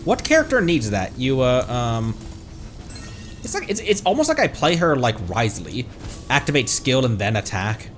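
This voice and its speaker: Animated man streaming a video game. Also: mid-range voice, moderate pace. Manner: playful, exclamatory, muttering to himself. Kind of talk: casual live game commentary. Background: video game music.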